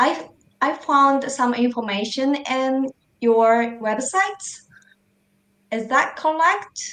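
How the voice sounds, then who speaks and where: Speaking very slowly, a woman talks in a Japanese accent. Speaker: lightning wallet builder. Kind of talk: group video call discussion. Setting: video call. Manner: halting, many fillers.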